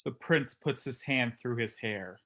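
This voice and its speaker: A man's voice: mid-range voice, measured pace, fairly bright tone. A man reading scripted narration and stage directions for a staged wrestling script.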